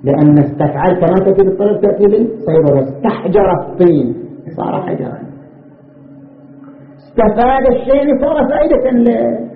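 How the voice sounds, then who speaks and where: A high-voiced man teaches jurisprudence, working through each point and asking himself rhetorical questions. The sound is thin and phone-like, with echo and a faint hiss behind it. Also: expressive, brisk. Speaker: religious scholar teaching jurisprudence. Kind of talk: seminary lecture. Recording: tinny, echoey lecture recording with faint noise.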